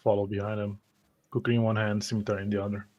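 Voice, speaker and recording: A man playing a tabletop roleplay game, describing his character's actions and speaking in character, halting and terse. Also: fairly low pitch, little pitch movement, a little mellow, lo-fi sound, slight background noise.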